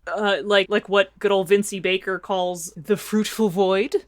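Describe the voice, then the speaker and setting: A woman co-hosting a tabletop-gaming podcast, chatting casually and reading sponsor spots, self-deprecating and quick to laugh. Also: mid-range voice, steady tone, dry recording, clean studio sound. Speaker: podcast co-host. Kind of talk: casual podcast chat and ad read.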